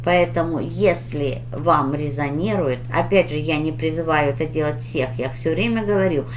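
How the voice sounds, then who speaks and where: A woman reading tarot for her viewers in a deliberate, instructive manner, with pauses and emphatic advice. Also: low-pitched, slight background noise. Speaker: tarot reader hosting her channel.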